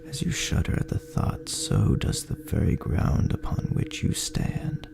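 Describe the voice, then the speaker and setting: A man narrating a dark horror story in a brooding, theatrical, gravelly voice that often drops toward a breathy near-whisper. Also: a little slow, over loud music. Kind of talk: dramatic horror story narration in second person.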